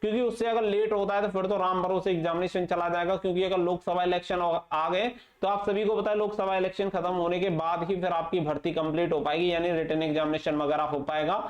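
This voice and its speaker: A man with a high voice hosts an informal update for exam candidates. He speaks straight to his viewers and drops in English terms. The recording is slightly dull, with clear room echo. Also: flat delivery, fast, few pauses. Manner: direct address, mixing in English terms. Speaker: exam-update channel host. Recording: echoey room, slightly muffled sound.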